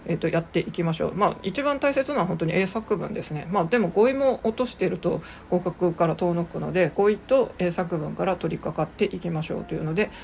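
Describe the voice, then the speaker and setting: A woman hosting an English-learning podcast, talking in an easygoing, chatty way full of fillers. Her voice sits a little low, and she slows down carefully on English phrases spoken. A faint hiss runs underneath the recording. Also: gravelly. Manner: relaxed, chatty, many fillers, slow on English words. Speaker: podcast host teaching English exam prep. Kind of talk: casual solo podcast lesson.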